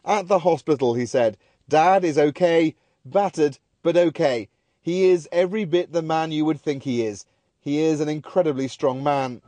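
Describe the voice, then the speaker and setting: A man's voice: a little high, normal speed, dark tone, no room sound. A man narrating a scripted television news report as the reporter.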